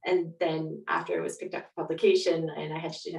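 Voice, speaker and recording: Low-voiced woman in a roomy, distant recording. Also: flat delivery, brisk, gravelly, darkish tone. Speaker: guest author. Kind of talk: conversational interview answers.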